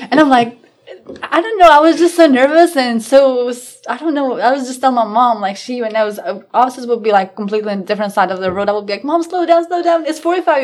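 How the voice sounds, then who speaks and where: Speech in an Albanian accent runs at a very fast pace with lively intonation over noticeable background noise. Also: woman. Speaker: police officer. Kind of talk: casual interview.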